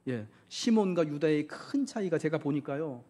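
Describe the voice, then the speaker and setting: A man's voice: a little high, animated, moderate pace, mellow. A man preaching a Sunday sermon as pastor, asking the congregation questions and acting out quotes.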